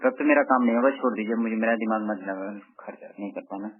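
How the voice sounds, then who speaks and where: Husky man on a tinny phone line. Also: on the low side, fast. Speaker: caller arranging a payment. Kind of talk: informal phone conversation.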